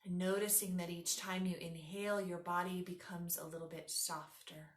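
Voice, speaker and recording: Lowish voiced lady teaching yoga nidra, soothing slow guided meditation, echoey room. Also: flat delivery. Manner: soothing, instructive, unhurried guiding.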